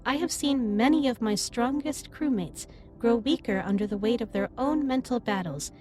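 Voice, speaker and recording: High-voiced, formal, caring alien captain played by a woman. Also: close to an everyday voice. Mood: solemn, supportive. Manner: formal, measured phrasing, gently reassuring. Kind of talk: scripted roleplay audio drama, intimate comforting monologue. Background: ambient music.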